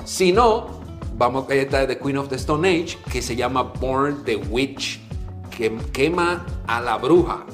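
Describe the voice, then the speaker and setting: A man from the Caribbean co-hosting a podcast, telling stories in an animated, slangy way. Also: mid-range voice, slow pace. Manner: animated, slangy, acts out his own shouts. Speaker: podcast co-host. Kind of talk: casual storytelling chat. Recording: echoey room with faint music.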